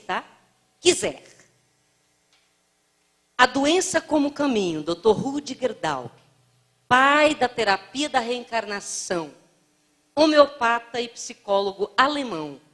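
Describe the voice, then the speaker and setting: A woman lectures at a spiritist center in a slow, unhurried delivery. Her voice sits fairly high, and she tells playful anecdotes, acting out the people she quotes. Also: a bit bright.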